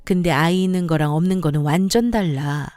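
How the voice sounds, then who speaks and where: A woman voicing a sharp-tongued, sarcastic sister-in-law who bosses and belittles her brother's wife. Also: fairly low pitch, fairly quick, dry recording, natural voice. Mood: mocking. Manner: sarcastic, bossy, needling.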